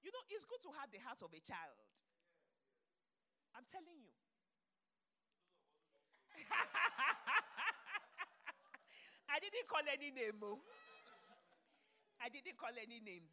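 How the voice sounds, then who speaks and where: A middle-aged woman delivers a sermon, her voice bright and somewhat high. She swings from quiet asides to loud, emphatic exclamations, with a very lively melody. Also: normal speed, pauses often. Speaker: preacher.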